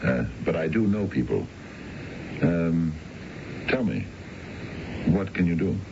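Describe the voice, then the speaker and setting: A dull, noisy old radio recording carries a stuffy American businessman with a very deep voice. He speaks with pompous, proper formality in the manner of 1970s radio drama, easily affronted. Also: animated, slow pace, heavily acted. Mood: businesslike. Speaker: actor in a radio mystery drama.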